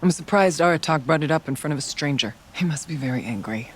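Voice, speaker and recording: A woman playing a solemn, stubborn tribal shaman in a video game, speaking in an earnest, measured way. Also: sits low, lively intonation. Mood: guarded, regretful. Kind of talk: dramatic video game voice acting. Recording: storm and rain noise behind.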